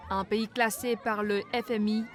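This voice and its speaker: A woman narrating a news feature as a voice-over, reading in a measured way. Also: medium pitch, fairly even intonation.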